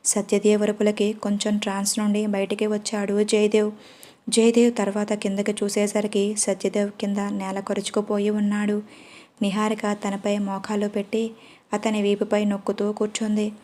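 Woman storyteller, flat steady reading, mellow soft voice. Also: medium pitch, moderate pace. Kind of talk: storybook narration.

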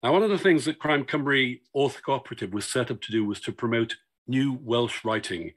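A man in his sixties chairing a festival event over a video call from his book-lined study, measured and formal. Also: mid-range voice, a bit bright, slightly rough. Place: home study with bookshelves.

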